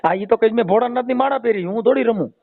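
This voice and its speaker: Man, Saurashtra Gujarati accent, rapid casual questioner with a teasing streak, heard over a narrow phone line. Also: very high-pitched. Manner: teasing, colloquial, repeats and rephrases answers. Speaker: host mediating a family dispute by phone. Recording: tinny, narrow phone-call audio.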